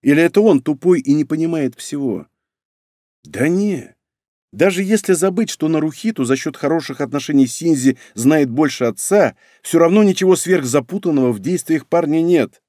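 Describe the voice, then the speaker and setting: A man's voice: fairly high pitch, animated, normal speed, warm tone, no echo. A man reading a novel aloud as narrator, with a dry, curt first-person delivery. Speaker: audiobook narrator.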